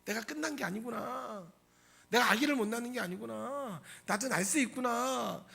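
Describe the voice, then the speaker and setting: A man doing a raspy, hushed woman finding hope. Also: on the high side, normal speed, pitched above the performer's own voice, full character voice. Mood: relieved wonder. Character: grieving childless woman turning hopeful.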